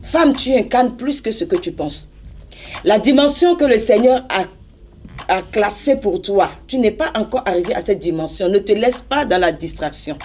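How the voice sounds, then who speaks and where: An evangelist from Benin speaks, her voice sitting at an ordinary middle pitch for a woman. She exhorts her listeners in a preachy way, hammering her points home through repetition. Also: lively intonation, moderate pace, a little mellow, a little hiss or hum. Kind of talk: exhortation in a church interview.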